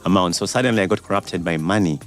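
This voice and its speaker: Deep-voiced doctor telling his story. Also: quick pace. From Uganda. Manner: relaxed storytelling, easy laughs. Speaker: doctor and guest. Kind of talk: casual interview chat.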